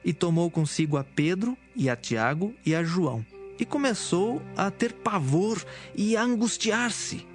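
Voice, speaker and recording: Casting: man as narrator for a Bible audio drama, lighter-pitched, measured storyteller, over background music. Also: animated. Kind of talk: scripted narration of dramatised scripture.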